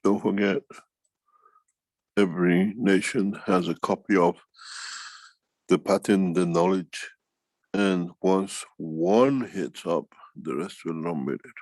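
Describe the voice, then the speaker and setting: A man giving an unscripted answer in a meeting, halting yet emphatic, often repeating phrases for weight. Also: low voice, steady tone, darkish tone, dry recording, poor audio. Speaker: foundation speaker answering questions. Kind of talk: unscripted talk, answering a question in an online meeting.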